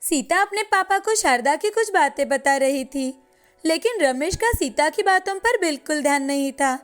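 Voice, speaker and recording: Female storyteller, high and clear, steady explanatory narration for a kids' cartoon. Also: normal speed, soft background music.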